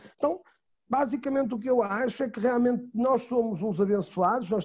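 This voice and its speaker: A man with a European Portuguese accent speaks at a fairly quick pace in a dark, mellow tone, his pitch varying in an ordinary way. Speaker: football agent or coach. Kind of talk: casual chat. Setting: video call. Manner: fast.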